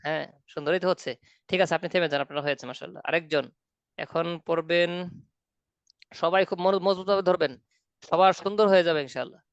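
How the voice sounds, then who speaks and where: A man's voice: fairly high pitch, steady tone, quick pace, gravelly, pauses often, no echo. Patient male Quran teacher, dry muffled line. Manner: patient, explains step by step with questions. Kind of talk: online class instruction.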